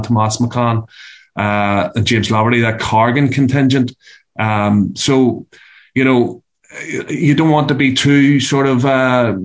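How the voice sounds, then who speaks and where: A Northern Irish man with a mid-pitched voice talks as a sports journalist. His punditry is casual and halting, with words often repeated as he works out his point. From Antrim, Northern Ireland.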